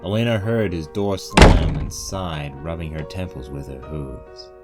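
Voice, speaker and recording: A man's voice: very deep voice, lively intonation, unhurried, loud music behind the voice. A man reading a scripted story as its narrator. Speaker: narrator of a fan fiction reading.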